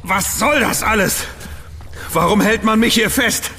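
A haughty, indignant dandy writer. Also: male voice, high-pitched, measured pace, bright, forceful tone, slight background noise. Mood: alarmed. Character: indignant refined male dandy writer, proud and sharp-tongued. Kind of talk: radio play acting.

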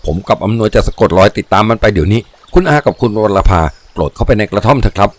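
Fierce young bandit lieutenant, as a narrator voices him. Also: male voice, on the low side, lively intonation. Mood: urgent. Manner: harsh, commanding, measured threats.

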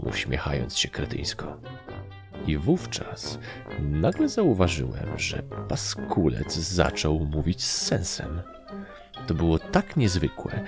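Deep gravelly Polish male narrator. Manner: animated, voicing characters with raised shouts. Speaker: audiobook narrator. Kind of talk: first-person audiobook narration.

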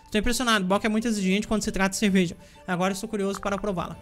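A man's voice: high-pitched, very fast, faint music behind. Old brewer, demanding read plainly by a man, Brazilian accent. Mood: curious. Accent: Brazilian Portuguese. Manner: reads game dialogue aloud in a flat voice. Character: elderly male brewer, curious and demanding.

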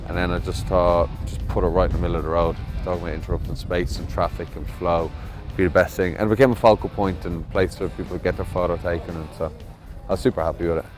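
With a low voice, a level tone, and hardly a pause, this fast-talking Irishman is a visiting mural artist being interviewed. His casual talk wanders a bit and is sprinkled with fillers, set over background music.

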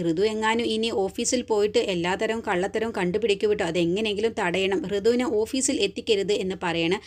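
A woman recaps a serial episode in an easy, conversational storytelling voice. Her pitch sits in a middling range, and she keeps her telling chatty and informal, tagging her sentences with friendly little words. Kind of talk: casual spoken story retelling.

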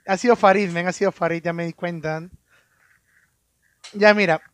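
A man spins a story for his stream audience, stumbling over and repeating his words. His voice sits high. The sound is dry and close, with no room echo. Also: steady tone, moderate pace, a bit bright. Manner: stammering, repeats words, swears casually. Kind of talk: casual storytelling on a live stream.

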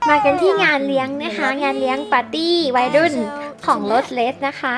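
Young female game host, high-pitched, chatty and playful commentary. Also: brisk. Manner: chatty and playful, many polite particles. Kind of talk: casual gameplay commentary.

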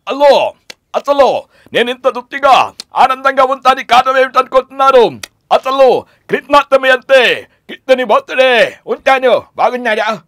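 A man, a mimicry artist, doing theatrical rapid-fire impressions. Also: very high-pitched, animated, fairly bright tone, dry recording, studio quality. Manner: theatrical, switching voices.

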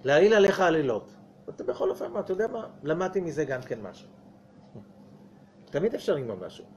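Animated rabbi lecturing. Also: male voice, fairly high pitch, dull audio, slight background noise. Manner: animated, rhetorical questions to audience, acts out dialogues. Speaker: rabbi teaching Kabbalah. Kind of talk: weekly Torah portion lecture.

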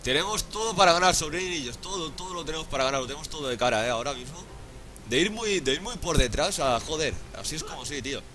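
A young man from Spain with a Spanish accent, commentating his own game excitedly, swearing and laughing often. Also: fairly high pitch, fast, crowd noise. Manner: excitable, profane, laughs often, calls viewers "sobrinillos". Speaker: gaming YouTuber.

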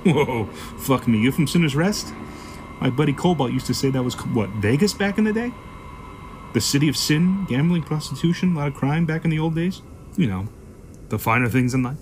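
A man playing a jaded, foul-mouthed black-market shopkeeper in a sci-fi audio drama, gruff and offhand. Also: fairly high pitch, expressive, brisk, a little mellow, a little hiss or hum, natural voice, low-quality recording. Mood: surprised, amused. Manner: gruff, profane, offhand storytelling.

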